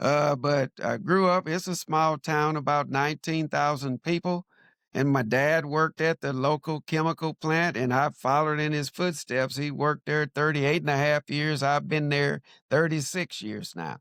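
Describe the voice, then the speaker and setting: On a very clean recording with a silent background, a man speaks at a fairly high pitch and a moderate pace. His intonation is fairly even, and the sound is dry and close with no echo. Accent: Southeast Texas. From US South, Orange, Texas. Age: 60s. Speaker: former professional baseball player. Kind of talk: interview.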